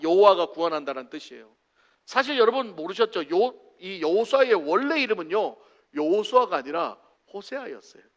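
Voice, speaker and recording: A male pastor, preaching a sermon in an animated way and acting out the voices of people who complain. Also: high voice. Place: church sanctuary. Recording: church sanctuary with long reverb.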